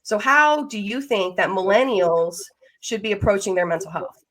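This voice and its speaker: A woman in her thirties hosts a relaxed, conversational interview. She talks in a chatty, informal way, at an ordinary middle pitch for a woman. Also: moderate pace. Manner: chatty and informal, with mild swearing. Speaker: podcast host interviewing a guest.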